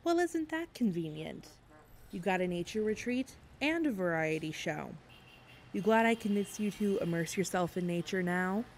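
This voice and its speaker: A woman's voice: medium pitch, expressive, normal speed, slight background noise, natural voice. A woman as a wry, easygoing driver. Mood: wry, curious. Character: wry, easygoing female driver teasing her companion. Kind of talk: casual audio drama dialogue.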